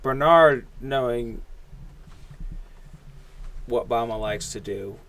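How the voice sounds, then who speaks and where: A man with a medium-pitched voice talks casually as a player at a tabletop game. He is hesitant and works out his ideas aloud as he speaks. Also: takes it slowly, creaky, a bit bright. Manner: hesitant, thinking aloud as he goes.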